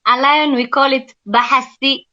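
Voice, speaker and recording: A woman's voice: high voice, fairly even intonation, moderate pace, sharp tone. A woman chatting casually as a guest, giving short informal answers about words in her language. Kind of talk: casual chat. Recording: slightly dull lo-fi sound.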